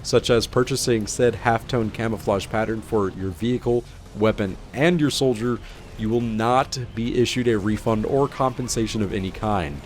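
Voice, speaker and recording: A man's voice: fairly low pitch, moderate pace, a little hiss or hum. A man hosting a gaming video, reading scripted update narration in an informal presenter style. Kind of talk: scripted patch-notes narration.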